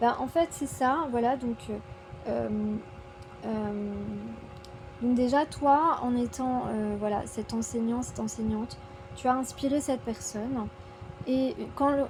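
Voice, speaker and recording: Amid noticeable background noise, a woman talks at a very slow pace in a high pitch with fairly even intonation. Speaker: tarot reader. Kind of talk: psychic guidance reading. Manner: hesitant, many fillers.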